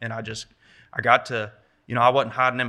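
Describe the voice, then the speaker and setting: Recorded very cleanly against a silent background, the voice has a bright, sharp tone and a Kentucky accent. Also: man. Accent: Southern US, Kentucky. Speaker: visiting preacher. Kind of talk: sermon. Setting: church. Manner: loud.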